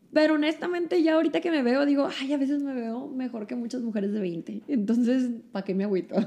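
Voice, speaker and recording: Over noticeable background noise, a woman with a high pitch talks at a very fast pace with lively intonation and hardly any pauses. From Mexico, Guadalajara, Jalisco. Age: 30s. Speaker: model and TV presenter. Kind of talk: casual interview chat. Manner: animated.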